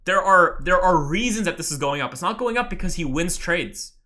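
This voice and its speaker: Mentor type, excitable and swears freely; bright, forceful tone with big pitch swings. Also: fairly quick. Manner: excitable, bursts into loud exclamations, swears often. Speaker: trading mentor. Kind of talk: live webinar teaching.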